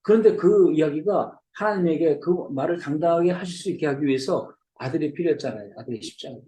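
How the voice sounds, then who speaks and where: Mellow-voiced man preaching in an echoey room. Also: fairly high pitch, quick pace. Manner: conversational preaching, checks in with listeners. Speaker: missionary preacher. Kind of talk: sermon. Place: church hall.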